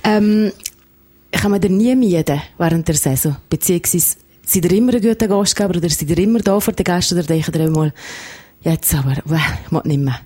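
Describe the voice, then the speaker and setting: A radio host in the studio keeps the talk chatty and light, slipping in jokes between questions. The voice sits at an ordinary middle pitch. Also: brisk, dark tone. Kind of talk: radio interview.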